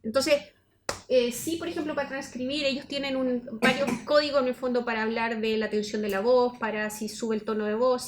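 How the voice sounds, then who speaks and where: High-voiced woman giving a seminar talk. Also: slight background noise. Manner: explanatory, thinking aloud with restarts. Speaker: university researcher presenting at a seminar.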